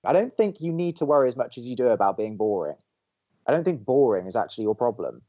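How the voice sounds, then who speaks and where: A man playing a sarcastic, reluctant young college radio co-host with an American accent and a deadpan manner, in audio drama banter. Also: medium pitch, fast talker, lo-fi sound. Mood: exasperated. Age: young adult.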